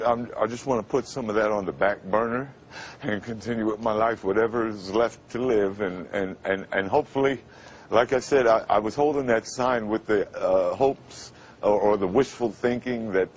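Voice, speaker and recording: A man in his fifties from Brooklyn speaks in a lowish voice as a guest on a live TV interview. He stumbles and restarts often, sounding emotional and halting. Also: slight background noise. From Brooklyn, New York. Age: 50s.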